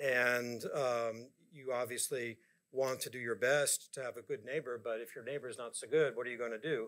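A man's monotone, flat delivery at a moderate pace against a quiet background. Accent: American. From New Jersey. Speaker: guest diplomat. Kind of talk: public talk and Q&A. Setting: event space with live audience. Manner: halting with fillers. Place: hall.

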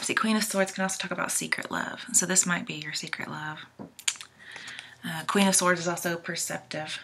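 Noticeable background noise sits behind a woman speaking. She talks at a moderate pace with hardly any pauses and fairly even intonation. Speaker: tarot reader. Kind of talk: tarot reading talk to viewers. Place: home room. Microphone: webcam.

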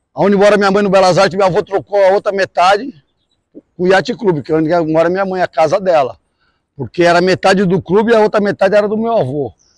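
A man talks at a very fast pace and high pitch with ordinary pitch variation. The sound is dry and close, without echo. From Itanhaém, São Paulo coast, Brazil. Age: 50s. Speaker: fisherman. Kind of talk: interview. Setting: outdoors. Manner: informal.

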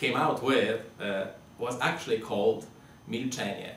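This speaker has a Polish accent and a moderate pace. Audible room echo and light background noise are present. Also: man. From Poland. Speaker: literature professor. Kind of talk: lecture. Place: classroom. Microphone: camera far.

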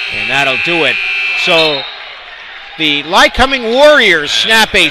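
Over crowd noise in the background, a man speaks in a raised, projected voice with an energetic tone, high pitch, and a dry sound with no echo. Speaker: basketball play-by-play announcer. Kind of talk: live basketball commentary over game highlights. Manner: clipped, energetic, rising on big shots. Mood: celebratory at game end. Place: stadium. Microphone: headset.

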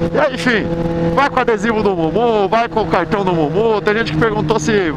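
The sound is dry with no echo as a man talks at a fairly quick pace over loud background noise. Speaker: motorcycle vlogger. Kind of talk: casual vlog chat. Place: motorbike.

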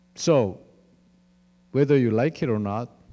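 A man with a Korean accent, dark and mellow in tone, very slow, with very wide swings in pitch. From South Korea. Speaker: former diplomat; guest lecturer. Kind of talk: lecture Q&A. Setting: lecture hall with audience. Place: hall. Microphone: handheld.

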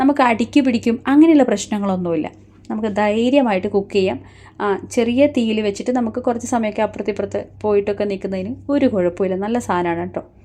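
This woman's voice sits fairly high in pitch and shows ordinary pitch variation. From Kerala, Kasaragod. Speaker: homemaker vlogger. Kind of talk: casual vlog narration.

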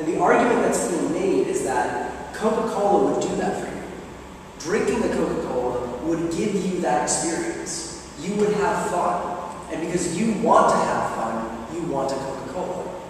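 A man with a high voice speaks at a moderate pace with lively intonation, over light background noise and a strong room echo. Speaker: debate coach. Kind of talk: lecture. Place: classroom. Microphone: camera far.

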